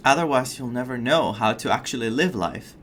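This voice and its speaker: A man's voice: mid-range voice, a little fast, a bit bright, a little hiss or hum. A man giving casual, opinionated reaction commentary on a story game, emotionally invested in what he watches. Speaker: game streamer. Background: faint game music.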